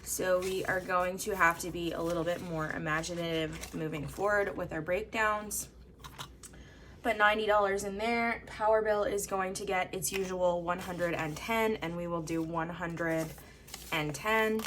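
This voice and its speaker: A young Canadian budgeting vlogger chats casually while counting cash aloud in a steady rhythm at a moderate pace. Her voice sits slightly low for a woman and is a little hoarse from an oncoming cold. A faint room hum runs underneath.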